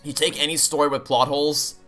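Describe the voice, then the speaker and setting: A man's voice: on the high side, level tone, fast, pushed and bright. Analytical male game streamer over music. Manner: analytical, explanatory. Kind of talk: live playthrough commentary and chat. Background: video game music and sounds.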